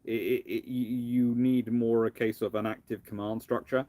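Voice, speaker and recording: Here the British livestream host, a history lecturer, speaks in a warm, mid-range voice with flat delivery at a moderate pace. He answers questions casually, drifting discursively and starting phrases over.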